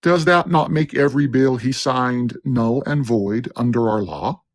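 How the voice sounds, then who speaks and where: Man narrating from a script, gravelly voice, steady declaiming delivery. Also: mid-range voice, a little slow, slight background noise.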